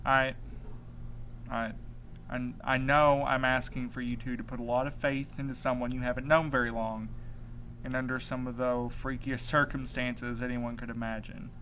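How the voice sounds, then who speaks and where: A man's voice: mid-range voice, little pitch movement, normal speed, fairly bright tone, lightly acted, low-quality recording. A man acting in an audio drama podcast as a desperate, determined husband searching for his missing partner, earnest and hesitant in delivery. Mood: pleading, earnest. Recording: clear background noise, ambient sound bed.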